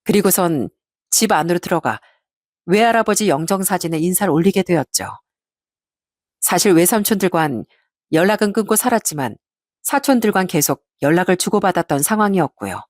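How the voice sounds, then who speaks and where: A woman narrating a personal family story in the first person in a plain, even manner. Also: fairly low pitch, a little fast, dry recording, studio quality.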